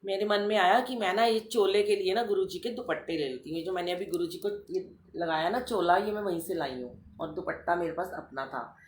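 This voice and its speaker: Woman, middle-aged, satsang speaker, devotional storytelling, animated, echoey room. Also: on the low side, brisk, a little hiss or hum. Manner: animated storytelling, acting out quoted voices.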